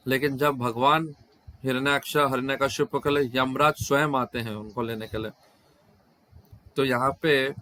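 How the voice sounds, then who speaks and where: A man's voice: medium pitch, fairly bright tone, slight background noise. A man interpreting questions and answers at a devotional scripture class over an online video call, often breaking off and restarting words mid-phrase.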